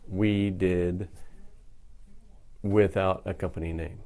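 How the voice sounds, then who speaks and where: A man's voice: sits low, steady tone, takes it slowly, dark tone. A man who owns a business, speaking plainly in an interview. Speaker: business owner.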